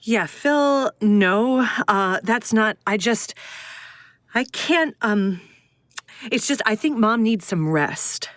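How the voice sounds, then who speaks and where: An actress playing a weary adult daughter caring for her mother, speaking in halting, strained phrases in an audio drama. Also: a little high, animated, fairly bright tone, dry recording, studio quality.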